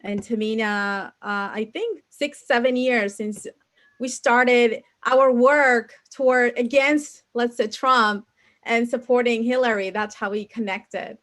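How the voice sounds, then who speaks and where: A woman's voice: a little high, steady tone, takes it slowly, fairly bright tone. A woman from Bangladesh, a council candidate and attorney, answering interview questions earnestly over a video call and listing names and groups one by one.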